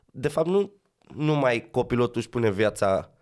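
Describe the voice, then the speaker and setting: A man with a Romanian accent, a rally co-driver and actor, chatting casually as a podcast guest, animated and slangy, laughing often. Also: medium pitch.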